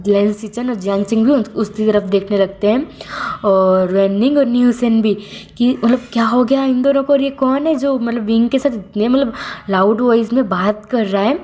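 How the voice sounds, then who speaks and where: A woman's voice: medium pitch, fairly even intonation, normal speed, mellow. A woman casually retelling a fan-fiction story, rambling and often correcting herself mid-sentence.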